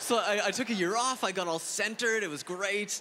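A man's high, raised and projected voice at a fairly quick pace, with ordinary pitch variation and light background noise. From grew up in Africa, born in Ottawa, Canada; Africa. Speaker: comedian and veterinarian; comedian. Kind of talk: stand-up. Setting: stage with audience. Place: stage. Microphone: handheld.

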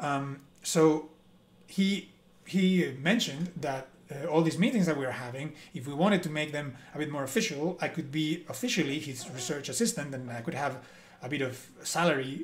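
A man with a Spanish accent, fairly high pitch, ordinary pitch variation and big swings in loudness. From Spain, Alicante; Spain. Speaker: mathematician. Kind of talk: live-streamed reminiscence. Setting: livestream with chat. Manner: halting. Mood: warm, reflective. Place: home room.

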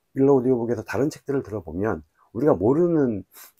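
Against a quiet background, the voice has a dark, mellow tone and moves at a fairly quick pace. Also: man. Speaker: book reviewer and lecturer; book reviewer, lecturer. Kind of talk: casual book review monologue. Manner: hesitant, many fillers. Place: home room. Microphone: lapel.

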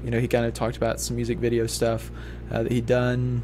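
A man talks over light background noise. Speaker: podcast host, company executive. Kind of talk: casual interview. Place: home room. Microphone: studio mic.

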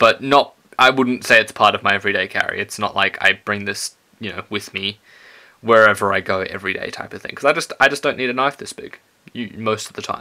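Fast-talking at a very fast pace, a man with an Australian accent uses lively intonation, medium pitch and a bright, sharp tone, with big swings in loudness against a quiet background. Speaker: YouTuber, 3D printing hobbyist. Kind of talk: casual unscripted monologue. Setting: home, late at night. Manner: hesitant, many fillers. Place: home room.

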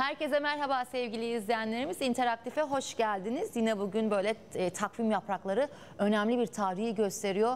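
A woman's voice at a moderate pace with hardly any pauses, very even loudness and ordinary pitch variation. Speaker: TV presenter. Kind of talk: TV interview. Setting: studio. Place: studio.

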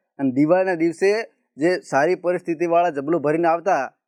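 A man with a high pitch and ordinary pitch variation is recorded with a dry, close sound and no echo. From Gujarat, India (Banaskantha district, Kankrej). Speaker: YouTube comedian. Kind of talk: interview, life story.

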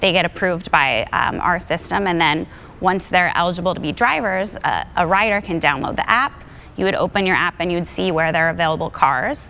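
Fairly quick and bright, a woman's sharp-toned voice comes with an American accent. Her pitch is fairly low with ordinary variation. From Pittsburgh, Pennsylvania. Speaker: company regional manager. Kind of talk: TV interview. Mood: upbeat, friendly. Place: studio. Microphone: lapel.

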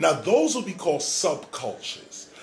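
A man talks amid light background noise, with room echo audible. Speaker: interviewee. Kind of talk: interview answer. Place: office. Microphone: phone near.

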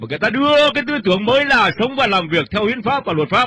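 A man speaks in a raised, projected voice. His tone is bright and sharp, and his pace is fairly quick. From northern Vietnam (Nam Dinh). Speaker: radio host. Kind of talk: radio interview. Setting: studio.

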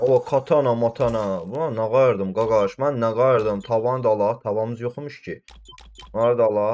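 Speaking at a fairly slow pace, a man with an Azerbaijani accent uses a medium pitch. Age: 20s. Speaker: gaming youtuber; gaming streamer. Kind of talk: gameplay commentary; casual gaming commentary. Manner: animated. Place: home room. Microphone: headset.

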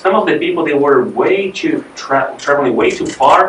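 Male speech in audible room echo, with light noise in the background. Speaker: presenter. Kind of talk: lecture. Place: meeting room. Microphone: camera far.

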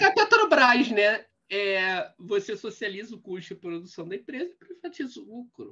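Over a quiet background, a raised, projected voice moves at a moderate pace with lively intonation and big swings in loudness. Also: man, high pitch for a man. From Brazil. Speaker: economist; guest. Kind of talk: interview. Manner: explanatory, didactic. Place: home room. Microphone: webcam.

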